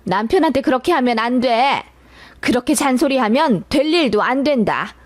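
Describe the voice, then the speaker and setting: A shrill, high-pitched older mother-in-law scolds and lectures in a sharp, reproachful tone, as a woman narrator puts her on. She is fiercely protective of her grown son and quick to blame his wife. The voice sits close and dry in a storybook reading. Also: animated, dry recording. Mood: lecturing.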